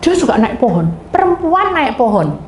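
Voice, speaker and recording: A woman's voice: high voice, sing-song, moderate pace. A middle-aged woman pastor preaching a sermon, telling stories and acting out voices as she addresses her congregation. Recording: echoey room, faint ambient noise.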